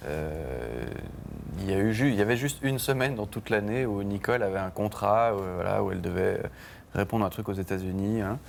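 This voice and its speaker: A low-voiced man with a gravelly edge tells his story slowly in a TV interview, hedging with many fillers and restarts. A faint hiss of background noise sits under the voice. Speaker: band songwriter, interview guest. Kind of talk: casual interview talk. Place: TV studio.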